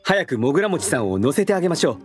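A man's voice: fairly high pitch, fast talker, faint music behind. Man doing a composed detective inspector. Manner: composed, lively intonation. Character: calm, clever police inspector detective.

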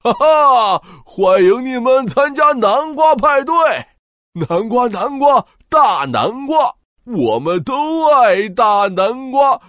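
A woman doing a slow, sighing mouse mayor. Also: on the high side, big pitch swings, no echo, studio quality. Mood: delighted. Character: fussy worried mouse mayor, party-loving. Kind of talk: children's audio story acting.

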